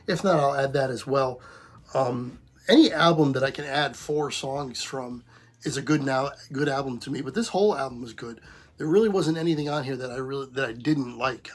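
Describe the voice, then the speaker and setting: Hoarse husky man losing his voice. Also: on the high side. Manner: relaxed, repetitive, lots of ums. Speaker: music reaction host. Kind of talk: casual reaction commentary.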